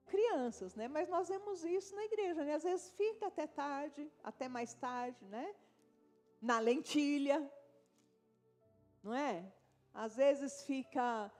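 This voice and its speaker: A Brazilian woman pastor preaching in a church, her voice sitting fairly high. She talks to the congregation like a chat, with constant tag questions and asides. Soft music plays underneath. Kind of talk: sermon. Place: church service.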